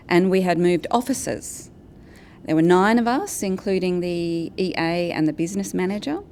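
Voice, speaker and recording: An Australian woman giving a prepared conference presentation as a guest speaker, in a measured, structured way. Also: lowish voice, darkish tone, slight background noise. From Australia, New South Wales and Brisbane. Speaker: guest speaker, advocacy and communications director. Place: event venue with an in-person audience.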